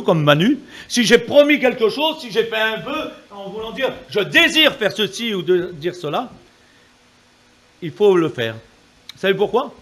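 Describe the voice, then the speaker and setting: A male preacher delivering a fervent sermon in a high voice. His pitch leaps and dives as he presses the congregation for amens. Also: a bit bright. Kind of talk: evangelical sermon.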